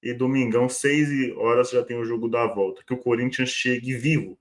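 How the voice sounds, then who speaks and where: A man's voice: medium pitch, fairly even intonation, moderate pace, over a noisy crowd. A man giving his frank, repetitive opinions in casual pre-match football talk. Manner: opinionated, repeats himself. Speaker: fan channel pundit.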